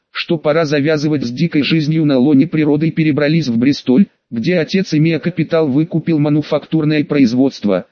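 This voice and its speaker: Smooth, easygoing young man lying fluently, as a male narrator reads him, dull dry lo-fi sound. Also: on the high side, no echo, close to an everyday voice. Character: confident young man spinning a cover story.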